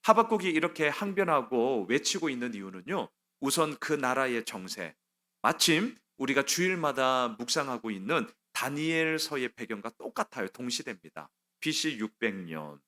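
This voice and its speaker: A middle-aged male pastor giving a midweek sermon, his pitch climbing and falling widely as he talks. He voices a complaining prophet and an answering God in turn. Between those quotes he puts questions to the congregation and answers them himself. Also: big pitch swings, moderate pace, pushed and bright. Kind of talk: Wednesday sermon.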